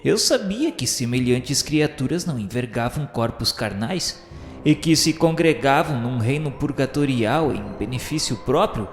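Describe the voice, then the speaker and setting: Slow, echoing solemn spirit narrator. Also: male voice, medium pitch, lively intonation. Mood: grave, awed. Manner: solemn, deliberate, formal. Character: earnest male spirit pupil narrating a dark underworld journey. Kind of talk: radio drama, literary first-person narration. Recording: echoey long reverb with music behind.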